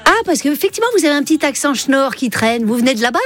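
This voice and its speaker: A woman hosting a call-in show in a radio studio, chatty and enthusiastic, quick to joke with her caller. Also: sits high, lively intonation, fairly bright tone, soft background music. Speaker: radio host. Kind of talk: lively call-in radio chat.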